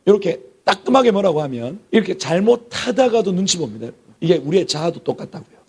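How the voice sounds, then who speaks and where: A man's voice: high-pitched, big pitch swings, quick pace, darkish tone, breathy edge. A middle-aged man, a pastor giving a sermon-style lecture, emphatic, repeating key words and dropping to near-whispers for emphasis. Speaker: pastor teaching a theology class.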